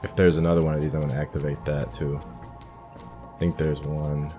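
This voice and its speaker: Very deep-voiced man musing over a game. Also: level tone, moderate pace, music in the background. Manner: thinks aloud, musing to himself. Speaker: gaming host narrating a playthrough. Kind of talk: casual gameplay commentary.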